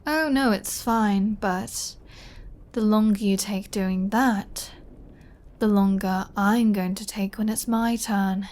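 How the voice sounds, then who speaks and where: Slow-talking, teasing vampire woman played by an actress. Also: medium pitch, a little mellow, close to an everyday voice. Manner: slow, teasing, playfully threatening. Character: flirty, teasing, possessive female vampire. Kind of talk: intimate ASMR roleplay audio drama.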